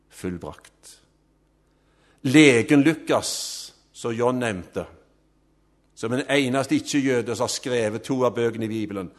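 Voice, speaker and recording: A man preaching a sermon, emphatic, rising to loud swells and dropping to soft, low endings.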